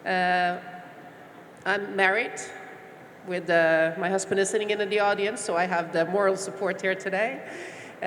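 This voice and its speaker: A middle-aged woman with a Norwegian accent, introducing herself on a conference panel in a halting way with many fillers. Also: on the low side, a bit bright. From Norway. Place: large conference hall. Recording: echoey hall, faint noise.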